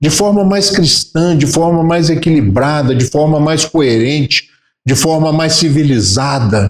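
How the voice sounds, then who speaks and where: An unremarkable speaking voice moves at a fairly slow pace, with very even loudness and ordinary pitch variation. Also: man, fairly high pitch for a man. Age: 60s. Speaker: spiritist lecturer. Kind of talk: lecture.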